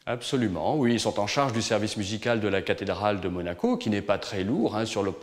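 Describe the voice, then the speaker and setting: A man, director of a boys' choir, answering interview questions in a measured, halting way, often repeating words. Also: fairly low pitch, expressive, big-room sound.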